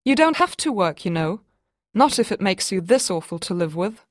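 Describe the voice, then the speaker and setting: Impatient husband, gruff and curt, as a woman reads him. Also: medium pitch, very animated, moderate pace, no echo, clean studio sound. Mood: angry.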